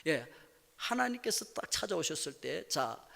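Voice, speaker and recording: A male pastor preaching a dramatic sermon, swinging between loud exclamations and hushed asides. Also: on the high side, big pitch swings, moderate pace, vocal fry. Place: church sanctuary. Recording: echoey church hall.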